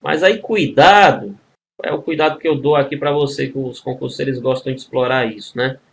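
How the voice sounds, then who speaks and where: Speaking at a normal speed with some vocal fry and a slightly bright, medium-pitched tone, a Brazilian Portuguese-accented man records an exam-prep grammar video. He talks to the students collectively, explaining questions step by step and checking with them through constant tag questions.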